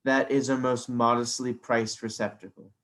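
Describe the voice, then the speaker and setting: A man's voice: medium pitch, little pitch movement, moderate pace, a bit bright, lightly acted. A stiffly polite funeral director played by a man in a virtual script read. He speaks formally and a bit hesitantly, in a mid-range voice with an officious, prim manner. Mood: prim, patient. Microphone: video call.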